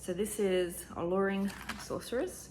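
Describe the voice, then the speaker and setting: A woman speaks with an Australian accent and ordinary pitch variation, with audible room echo around her voice. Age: 40s. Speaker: craft video creator. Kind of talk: casual video monologue. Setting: home, quiet.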